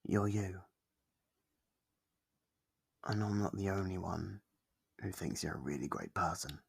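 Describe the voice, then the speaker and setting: A man playing a kindly, apologetic sleep paralysis demon in a soft ASMR roleplay, speaking gently and hesitantly in a low, gravelly, husky voice. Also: measured pace, heavily acted. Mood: encouraging, tender. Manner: soft-spoken, hesitant, reassuring.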